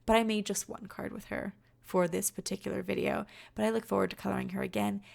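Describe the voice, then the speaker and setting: A young woman with a rough voice from being sick, chatting casually over her crafting video in a rambling way. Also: mid-range voice, little pitch movement, fast talker, a little mellow. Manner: chatty, rambling, many fillers. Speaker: card-making vlogger.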